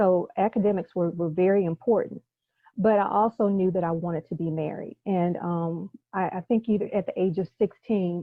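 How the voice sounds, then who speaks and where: The speaker has a Tennessee accent and a moderate pace. Intonation stays fairly even. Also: woman, medium pitch for a woman. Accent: Southern US (Tennessee). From US South, Memphis, Tennessee. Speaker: executive leadership coach. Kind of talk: interview testimony.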